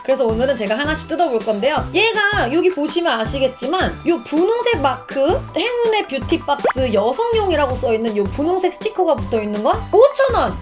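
A woman vlogger with a high voice that swings widely in pitch presents an unboxing to her viewers. She is playful and exclamatory, building up reveals in a theatrical game-show-host manner. Music plays clearly behind her. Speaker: beauty vlogger hosting an unboxing. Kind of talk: animated unboxing vlog addressed to viewers.

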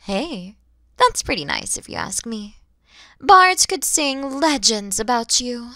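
Woman voicing a bright, expressive motherly dragon lady. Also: a little high, takes it slowly, dry recording, clean studio sound, heavily acted. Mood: teasing. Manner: expressive, teasing, gentle, addressing the listener directly. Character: kind motherly dragon woman, mature, playful, easily flustered. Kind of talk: ASMR audio roleplay acting.

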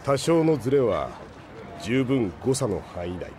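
A man playing a stoic, reflective older man with formal, deliberate phrasing in an audio drama. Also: mid-range voice, big pitch swings, dark tone, a little hiss or hum, close to an everyday voice. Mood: stoic, pensive. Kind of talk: anime-style audio drama acting.

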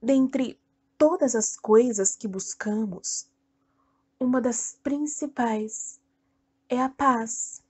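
A Brazilian woman leading a guided meditation in a soothing, deliberate way, speaking in short phrases with long pauses. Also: fairly high pitch, darkish tone, husky. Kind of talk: guided meditation, self-hypnosis narration.

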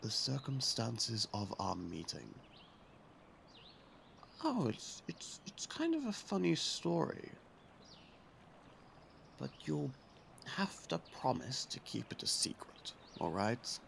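A man playing a gravelly, candid young prince. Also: medium pitch, huge pitch swings, takes it slowly, long pauses, slight background noise, exaggerated voice. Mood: whispered. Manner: soft-spoken, confiding, with some hushed whispers. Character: young royal prince, candid, curious, persuasive suitor. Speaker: voice actor. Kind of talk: ASMR roleplay.

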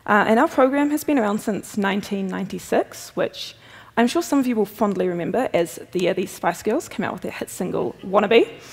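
A young woman with a New Zealand accent giving a quick, chatty technical conference talk with self-deprecating humor at a podium. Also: mid-range voice, breathy edge. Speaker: conference speaker, software developer. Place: large conference hall, at a podium. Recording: long reverb of a big hall.

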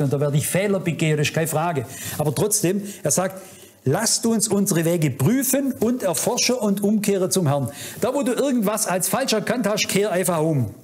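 Fervent high-voiced male preacher. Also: darkish tone. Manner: fervent, admonishing, addresses audience directly. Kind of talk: sermon. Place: conference hall.

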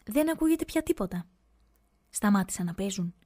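An actress playing a bitter, sharp-tongued sister who answers curtly and cuttingly in a stage play for radio. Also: female voice, mid-range voice, big pitch swings. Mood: irritable. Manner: curt and cutting, snapping back.

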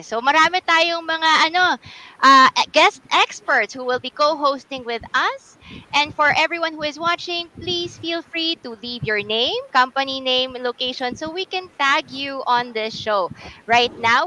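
A woman's voice: high voice, sharp tone, poor audio. A woman with a Filipino accent co-hosting an online HR webinar over a video call, mixing English and Filipino in a friendly way. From Philippines. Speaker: co-host mentor.

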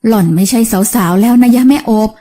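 A frail, elderly mistress of the house speaks in a hoarse, dry voice, put on by a woman narrator. She teases her old servant in a mellow, fairly high tone. This is an audiobook reading. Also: quick pace, lightly acted. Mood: teasing.

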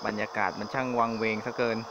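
A man's voice: on the low side, level tone, quick pace. A man giving nervous, jokey commentary while playing a horror game, often blurting out exclamations. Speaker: gamer. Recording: dull lo-fi mic with insect noise behind.

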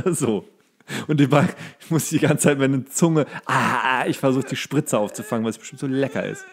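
A man with a mid-pitched voice talks as a podcast co-host. He rambles casually from one thought to the next. His wording is colloquial and full of coarse slang. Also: measured pace, husky.

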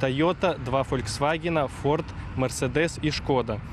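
A man's voice: mid-range voice, measured pace. A young man, a traffic police inspector, giving a formal, bureaucratic statement into a handheld reporter's mic outdoors. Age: young adult. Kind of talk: official interview statement. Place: outdoors by a building on a street. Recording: outdoor street noise.

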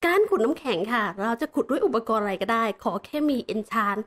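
A woman hosting casual Minecraft gameplay commentary, chatty and explanatory, with excited exclamations and giggles. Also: on the high side, fairly quick. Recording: background music in the mix.

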